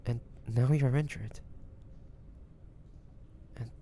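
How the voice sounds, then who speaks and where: A male actor plays a tender, protective young man in a fantasy romance audio drama. His voice is mellow and dark with a creaky edge. He speaks haltingly and earnestly, heavy with feeling. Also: medium pitch, slight background noise. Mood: guilty, breaking. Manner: halting, emotional, pleading, with pauses and sighs. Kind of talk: intimate romantic roleplay audio drama acting.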